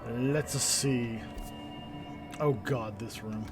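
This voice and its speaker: A young man with a mid-range, sinusy voice draws out his words and keeps his intonation fairly even as he streams a game. His casual commentary mixes private musings with wry asides to chat, over game music.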